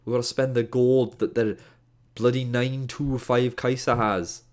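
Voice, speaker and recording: A man's voice: medium pitch, little pitch movement, a little slow. Man, Welsh accent with a Scottish edge, mid-range voice; exasperated, jokey esports caster reviewing a match. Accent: Welsh, with a hint of Scottish. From Wales. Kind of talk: casual game review commentary.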